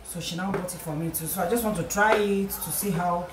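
A woman's voice: fairly low pitch, fairly quick. A woman in her thirties with a Nigerian accent, chatting casually to camera in a home vlog, repeating herself as she goes. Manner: chatty, repeats herself, playful bursts of self-praise. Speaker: vlogger and mother. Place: small home kitchen indoors. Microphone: camera on tripod. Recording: noisy home camera recording.

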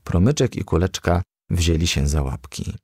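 A man reading a children's story aloud as a scripted narration, in an expressive, measured storytelling manner. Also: low-pitched, dry recording, studio quality. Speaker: audiobook reader.

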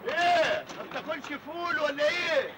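A man's voice: extremely high pitch, expressive, moderate pace. An actor playing a bossy work foreman who barks orders and insults the workers, with an Egyptian accent. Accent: Egyptian Arabic. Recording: very hissy old film soundtrack.

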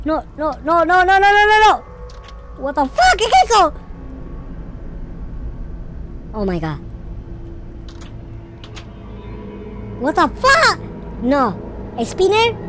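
High-pitched, whiny noob gamer boy. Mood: panicked, indignant. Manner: melodramatic, exclaiming, repeating words. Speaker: gaming video creator. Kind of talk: excitable gameplay roleplay in slangy speech.

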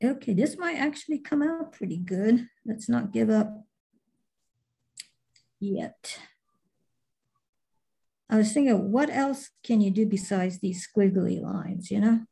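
Middle-aged woman, warm mellow tone, casual instructor thinking aloud as she shapes clay. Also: medium pitch, expressive, slow, creaky, pauses often. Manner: thinking aloud, many fillers and trailing phrases. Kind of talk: casual chat while demonstrating.

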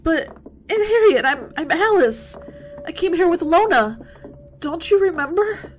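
A woman's voice: very high-pitched, lively intonation, measured pace. A woman playing a frightened, pleading college girl in a radio horror drama, stammering and tearful. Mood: desperate pleading. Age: young adult.

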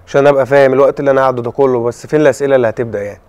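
Egyptian man, fast and soothing. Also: medium pitch, lo-fi sound. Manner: soothing, repeats calming words.

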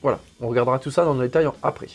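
A man rattles through a sponsored unboxing at rapid-fire speed, his medium-pitched voice fairly even in intonation and the recording's highs cut off. As a gear-reviewing host, he chats, jokes, explains every step, and fills gaps with frequent fillers.

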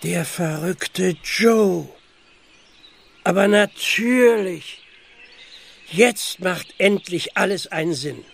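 A flustered village policeman in an audio drama. His voice sits on the high side and is full of creak, and he exclaims and gets exasperated easily. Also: drawn-out words, long pauses, heavily acted. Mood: puzzling it out. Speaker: actor in a radio play. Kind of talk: German audio drama acting.

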